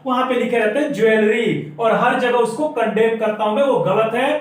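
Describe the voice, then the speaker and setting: A man teaching an English lesson, explaining patiently and slowing down to repeat example words for dictation. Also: very high-pitched, far from the mic. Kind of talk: classroom-style language lesson. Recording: very echoey room, voice off-mic.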